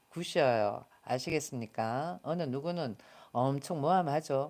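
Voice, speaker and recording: A woman talks at a very slow pace. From South Korea, Daegu. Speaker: YouTuber. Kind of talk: live stream chat. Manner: halting.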